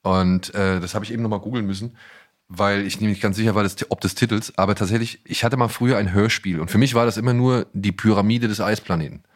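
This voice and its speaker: A man with a somewhat low voice co-hosts a casual podcast. He tells anecdotes in colloquial language, often hunting for the right word. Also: fairly even intonation, fast talker. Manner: colloquial, searching for words. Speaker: podcast co-host. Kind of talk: casual chat, telling anecdotes.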